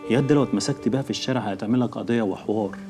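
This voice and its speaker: A man's voice: fairly low pitch, natural voice. An actor playing a street-smart man who lectures and coaxes a younger relative in a television drama. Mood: scolding. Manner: fast, scolding, coaxing. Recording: TV drama with music behind.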